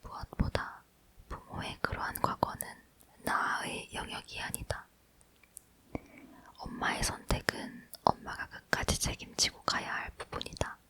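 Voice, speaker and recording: A woman's voice: measured pace, bright, forceful tone. A woman reading a book aloud as ASMR, leaning in to whisper closely and breathily into a near microphone. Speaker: ASMR reader.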